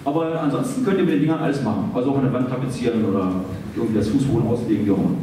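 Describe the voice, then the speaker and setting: A man's voice: mid-range voice, rapid-fire, dark tone. A man giving an informal, self-deprecating and rambling announcement from a stage. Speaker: radio play group member addressing audience. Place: live on a theatre stage. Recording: echoey stage, distant microphone, faint noise.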